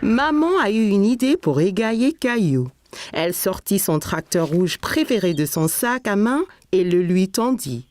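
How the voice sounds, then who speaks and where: A woman's voice: medium pitch, big pitch swings, measured pace, a little mellow. A woman narrator reading a scripted children's story expressively, as if to small children.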